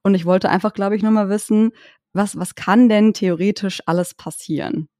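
A woman's voice: medium pitch, steady tone, moderate pace, mellow, dry recording, studio quality. A woman co-hosting a podcast, speaking in a reflective, hesitant way with frequent restarts. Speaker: podcast co-host. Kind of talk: casual podcast chat.

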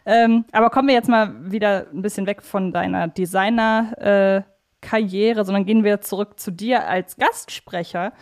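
Woman, average pitch, casual interviewer, informal, thinking aloud. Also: fairly even intonation, moderate pace, a little mellow. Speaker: podcast interviewer, host.

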